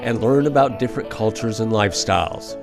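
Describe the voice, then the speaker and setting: A man's voice: on the low side, fairly quick, vocal fry. Man narrating a promo over music.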